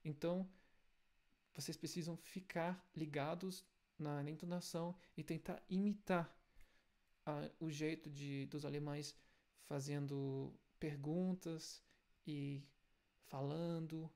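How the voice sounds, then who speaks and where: Gravelly German-accented man teaching sounds. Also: on the high side, fairly even intonation, darkish tone. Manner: explains step by step, repeats example sounds slowly. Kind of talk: language lesson video.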